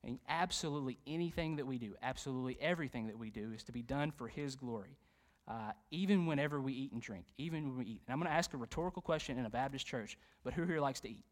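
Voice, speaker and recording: A man, a youth pastor preaching a sermon in a church, animated and conversational, with frequent fillers and jokes. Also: mid-range voice, fast talker. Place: church sanctuary.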